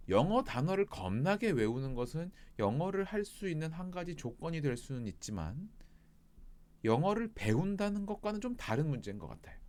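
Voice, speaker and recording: Middle-aged man, life coach, casual talk, very lively pitch, chatty and rambling. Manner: chatty and animated, jumps between jokes and earnest advice. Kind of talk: casual reflective talk to viewers.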